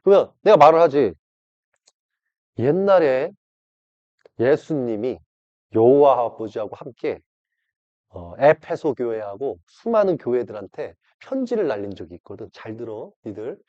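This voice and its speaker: A man's voice: medium pitch, big pitch swings, normal speed, long pauses, a little mellow, no echo. A man preaching an informal sermon, acting out dialogues and addressing the audience directly. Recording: dull lo-fi dry recording.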